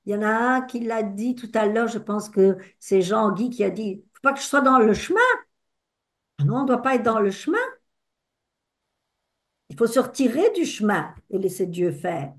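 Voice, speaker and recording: A woman's voice: on the high side, normal speed. An older woman giving a personal testimony to an audience, telling stories expressively and acting out the dialogue. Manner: expressive storyteller who acts out the dialogue. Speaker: speaker at a talk with audience discussion.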